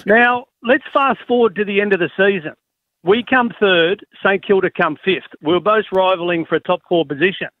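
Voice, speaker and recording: A middle-aged Australian man tells his stories with a wry, fired-up energy. His voice sits high for a man and comes through a dry, tinny phone line. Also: moderate pace, no room sound. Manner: animated storyteller, wry and fired up. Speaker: former football coach, radio guest. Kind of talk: casual radio interview.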